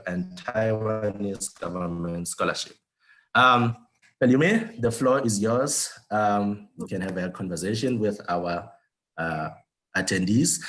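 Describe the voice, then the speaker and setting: Low-voiced man hosting an online seminar. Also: fairly bright tone. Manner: loose, halting, many fillers. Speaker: webinar host.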